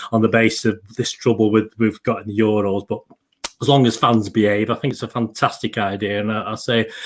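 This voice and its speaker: A man talks at a fairly quick pace with a fairly low pitch and monotone, flat intonation. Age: 60s. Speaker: football fan pundit. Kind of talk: casual chat.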